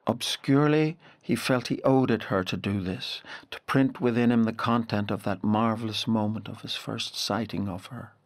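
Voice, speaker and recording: A reflective Northern Irish storyteller played by a man with a fairly low voice. He narrates a literary audio drama, setting out each phrase in a deliberate, measured way. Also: steady tone, close to an everyday voice. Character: reflective male storyteller recalling a boy's rural Irish childhood.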